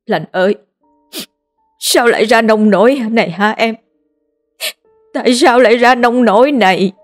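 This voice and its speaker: A woman's voice: a little high, a little slow, faint music behind, voice pushed up, lightly acted. A woman voicing a distraught grieving mistress. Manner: anguished, accusing outcries. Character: grieving middle-aged mistress of the house, distraught and furious.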